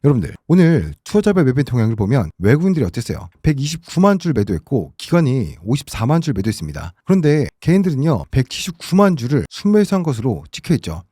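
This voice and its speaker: Hoarse, animated man giving stock commentary. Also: medium pitch, fast, hardly any pauses, dry recording, studio quality. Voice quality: hoarse, husky. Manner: dramatic, rhetorical, forceful wording. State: hoarse from a sore throat. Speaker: stock analysis host. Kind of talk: emphatic stock market commentary.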